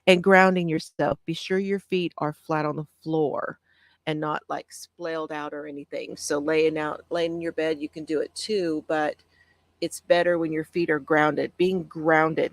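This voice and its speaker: A woman with a soft, calming voice talks gently through breathing exercises on a live stream. Her tone has a slight gravelly edge, and the sound is dry and close. She pauses often and answers viewers as she reads along. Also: sits low, no echo. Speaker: craft channel host.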